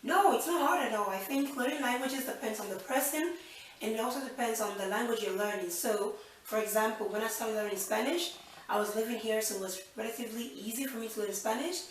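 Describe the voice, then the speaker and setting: A woman's voice: a little high, fairly quick, distant mic, slight background noise. Chatty young woman in an echoey room. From Nigeria. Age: 20s. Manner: chatty and upbeat, thinks aloud with fillers. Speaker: channel host. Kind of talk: casual Q&A vlog.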